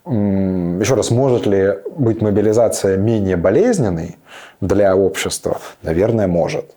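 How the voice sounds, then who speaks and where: A man in his thirties speaks in a low, dark voice that sounds warm and relaxed. He answers questions thoughtfully but haltingly, often pausing, restarting and padding his sentences with fillers. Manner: hesitant, many fillers and restarts. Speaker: interview guest, serving soldier. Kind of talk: reflective interview talk.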